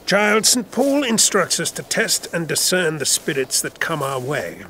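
An actor playing a worldly, patronising royal chamberlain in an audio drama, speaking in measured, formal courtly phrases. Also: male voice, on the high side, sing-song, sharp tone, slight background noise, full character voice. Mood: stern.

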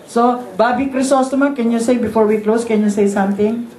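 A woman's voice: fairly high pitch, steady tone, fairly quick, a little mellow. Filipino woman in her sixties, chatty. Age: 60s. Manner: chatty, mixes Tagalog fillers into English. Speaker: event host. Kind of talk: casual remarks at a party. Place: crowded living room at a party. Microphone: handheld microphone. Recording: roomy room.

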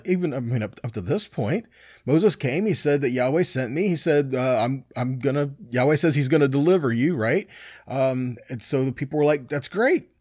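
A middle-aged man gives a conversational Bible lesson in a fairly high male voice. His pitch moves in lively swings as he poses questions and answers them emphatically. The recording is dry and close. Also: no echo. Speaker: Bible teacher. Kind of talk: conversational scripture teaching, reading verses and explaining.

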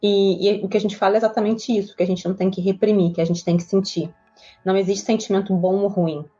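A woman's voice: mid-range voice, steady tone, fast, warm tone, soft background music. A Brazilian woman, a child psychologist, explaining emotions patiently in an interview, often checking in with "né?". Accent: Brazilian Portuguese. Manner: earnest, patient, explains step by step with frequent "né?". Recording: slightly dull lo-fi audio.

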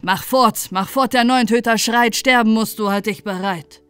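A woman's voice: fairly high pitch, normal speed, a bit bright, clear, resonant tone, natural voice. Menacing cruel lord, read by a woman. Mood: menacing command. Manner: commanding, threatening. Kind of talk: fairy-tale storybook acting. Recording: music bed under the voice.

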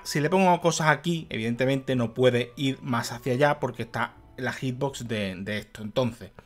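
In let's-play commentary, a young male gaming YouTuber grows exasperated, swearing and muttering to himself. His voice is mid-range and a bit bright.

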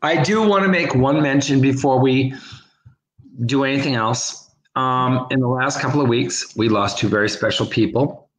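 A man co-hosting a charity livestream from home over a video call, chatting and calling auction bids over and over. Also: mid-range voice. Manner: chatty, rapid repetitive bid calling. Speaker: co-host, charity auction caller. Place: home room. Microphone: webcam on a video call. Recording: roomy echo.

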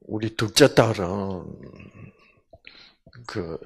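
Older man, Bible lecturer, husky voice, slow unhurried delivery, lively swooping pitch. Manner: animated, with many fillers and acted quotes.

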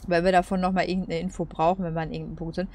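A woman's voice: on the low side, little pitch movement, very fast, a little mellow. A woman giving casual gameplay commentary in a rambling, colloquial, hesitant way. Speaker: let's play host.

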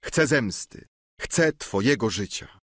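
A man's voice: mid-range voice, lively intonation, slow, fairly bright tone, no echo, clean studio sound. A man voicing a young noblewoman who feigns desperate fury, reading her lines in an impassioned, declamatory way for an audiobook. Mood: indignant.

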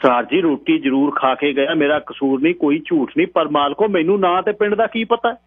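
A man's voice: on the high side, fairly quick, breathy edge, voice pushed up. Man playing a nervous young village guy, polite and scared, tinny radio sound. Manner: nervous, respectful. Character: young newly married village man, frightened. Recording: tinny radio broadcast with mains hum.

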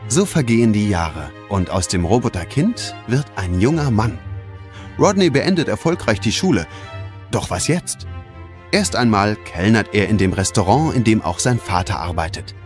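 A man's voice: on the low side, very animated, moderate pace. A man narrating a scripted audio story for children. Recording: music behind the narration. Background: music.

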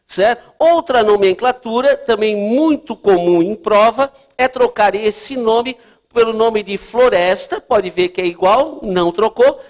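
A man's voice: high-pitched, measured pace. A man teaching geography for a test-prep course, explaining at a board and checking in often with his students. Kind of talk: lecture at a board.

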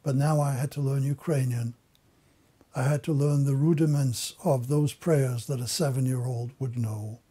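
An older man whose first language is German reflects in a measured, thoughtful way during an indoor interview. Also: mid-range voice, steady tone, warm tone, breathy edge. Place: indoor office.

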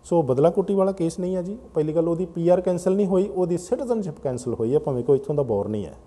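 Man, call-in show host, mellow tone, patient, explains at length. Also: on the high side, lively intonation, rapid-fire. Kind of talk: call-in talk show hosting. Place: TV studio.

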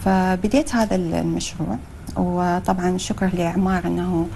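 A young woman with an Iraqi Arabic accent, a guest in a TV studio interview, talking with many pauses and fillers and slipping in English phrases. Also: lowish voice, fairly even intonation, creaky, mellow, slight background noise. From Iraq.

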